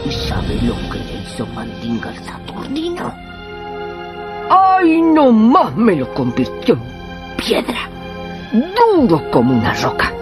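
An actress playing a boastful older Argentine village healer in radio theatre, telling tall tales in colloquial, theatrical, drawn-out phrases. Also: female voice, medium pitch, huge pitch swings, music in the background. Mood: gossipy, teasing.

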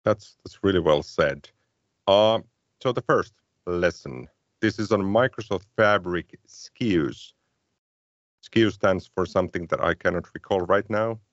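A man's voice: sits low, measured pace, no room sound, muffled recording. A man with Finnish as his native language, co-hosting a casual tech podcast and talking thoughtfully with frequent restarts. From Finland. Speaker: podcast co-host.

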